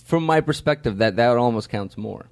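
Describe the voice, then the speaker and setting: Guy hosting a podcast, bouncy pitch, teasing questions, dry close mic. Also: lively intonation, smooth, dry recording. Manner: curious, quick teasing questions. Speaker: podcast host interviewer. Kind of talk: casual podcast chat.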